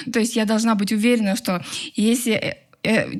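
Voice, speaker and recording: This woman has a Kazakh accent and a fairly high, somewhat breathy voice. Her pitch variation is ordinary. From Kazakhstan, southern region. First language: Kazakh (speaking Russian). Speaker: show participant sharing personal problem. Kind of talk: talk show confession. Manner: halting, many fillers and restarts.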